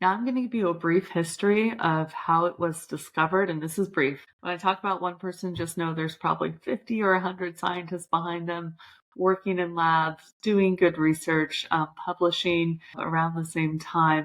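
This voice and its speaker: In a Californian accent, a woman speaks at a moderate pace with a fairly low pitch and fairly even intonation. The recording is very clean, with a silent background. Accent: California. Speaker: science podcast host, immunologist. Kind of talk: educational lecture.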